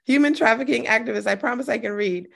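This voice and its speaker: A woman hosting a casual podcast interview, hoarse and scratchy after losing her voice, laughing often and poking fun at herself. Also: on the high side, fast talker. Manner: laughs often, self-deprecating. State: hoarse, lost voice. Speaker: podcast host.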